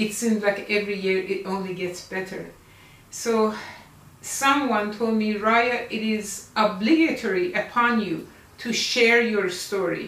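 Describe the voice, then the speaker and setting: A woman's fairly high voice in a Persian accent, fairly slow and fairly even in intonation, with noticeable background noise. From Iran. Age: 70s. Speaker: writer and public speaker. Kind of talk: personal storytelling monologue.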